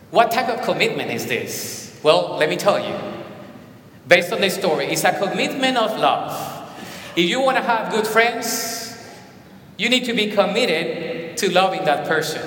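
A man with a Colombian accent preaching a sermon in an animated way, with emphatic repetitions. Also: high-pitched. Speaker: pastor. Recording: echoey hall with long reverb.

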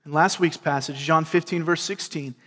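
A man in his thirties with a Southern US accent, preaching a sermon in an earnest, conversational way, often checking in with a quick "right?". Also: a little high, steady tone, fairly bright tone. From grew up in California and Georgia. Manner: earnest, repeats words, asks the crowd "right?". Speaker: pastor. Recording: long hall reverb.

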